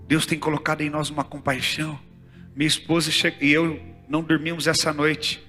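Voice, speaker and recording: A man with a Brazilian Portuguese accent preaching a sermon in a church, moving from hushed storytelling to loud, fervent exhortation. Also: on the high side, little pitch movement, brisk. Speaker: pastor. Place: church sanctuary. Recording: church hall with long reverb and faint music.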